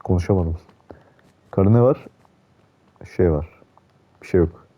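A man's voice: low-pitched, unhurried, mellow, dull audio. A young man giving casual gameplay commentary, swearing a lot and panicking in repeated pleas. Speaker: gameplay streamer.

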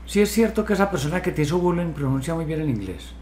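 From his home study, a man in his sixties runs an online hypnotherapy session, firing pointed questions and lecturing directly. His voice is on the high side and a little mellow, fast with lively intonation. The roomy video call audio carries a slight hiss or hum.

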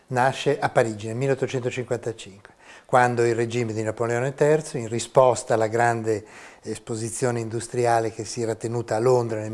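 Un professore universitario sulla sessantina, che risponde a un'intervista in modo pacato e didattico, registrato con un microfono a clip in un piccolo ufficio. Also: male voice, medium pitch, darkish tone. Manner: measured, explanatory, gesturing with his hands. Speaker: history of science professor. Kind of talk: interview answers. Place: small university office. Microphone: lapel mic.

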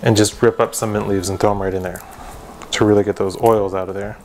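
A young man hosting a home cooking demonstration in his kitchen, talking straight to the viewer with deadpan joking asides. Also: on the low side, brisk, heavy background noise. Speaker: cooking show host.

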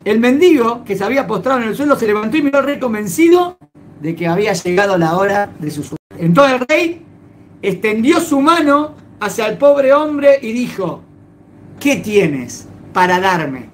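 A woman's voice: on the high side, lively intonation, moderate pace, a little hiss or hum. A woman telling a moral folk tale in a casual way, laughing and restarting as she goes. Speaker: storyteller. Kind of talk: casual oral storytelling with a moral.

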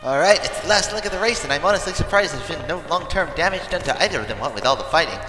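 A man's voice: fairly high pitch, animated, very fast, lightly acted. A man voicing a chatty, cheerfully sadistic female pony race announcer in a cartoon parody, casually morbid. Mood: gleefully morbid. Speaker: race commentator. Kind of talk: cartoon parody sports commentary. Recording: echoey reverb with loud music behind.

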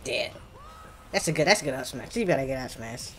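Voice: mid-range voice, lively intonation, brisk, fairly bright tone. A gaming streamer with an African American accent, giving casual, colloquial gameplay commentary and reacting as they play. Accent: African American English.

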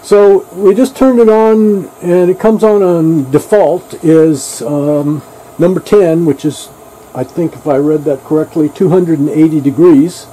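An older man in his sixties hosts a relaxed cooking demo in a motor home kitchen, cracking jokes between steps. His voice is dark and mellow, caught by a camera mic across the small room with a faint hiss behind it. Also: a little high, a little slow, low-quality recording. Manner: joking, chatty, reads out a manual. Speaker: channel host. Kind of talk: casual cooking demo chat.

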